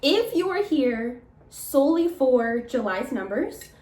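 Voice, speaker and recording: Young woman, small business owner, chatty and rambling, slightly nasal, higher voice, roomy echo. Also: big pitch swings, slow pace, darkish tone. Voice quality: chatty, rambling, laughs between phrases. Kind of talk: casual vlog chat. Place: home.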